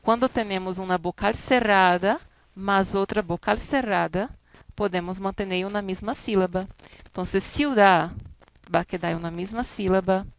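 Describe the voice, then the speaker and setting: A woman's voice: medium pitch, moderate pace, clean tone, no room sound. A woman teaching a Spanish class, explaining grammar step by step and reading out example words and sentences, speaking.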